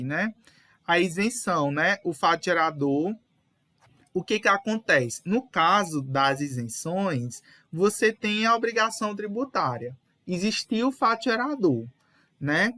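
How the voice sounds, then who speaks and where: Bright-voiced young man teaching. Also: high voice, animated, normal speed, no room sound, studio quality. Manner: patient, corrects pronunciation, many fillers like né. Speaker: teacher leading a reading session. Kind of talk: casual explanatory teaching.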